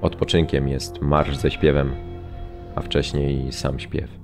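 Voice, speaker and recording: A camp survivor in a radio drama, recalling suffering. His voice is extremely deep and monotone. Music is clearly heard behind him. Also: slow pace, exaggerated voice. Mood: somber. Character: male camp survivor recalling unbearable punishment. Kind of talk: dramatised documentary narration.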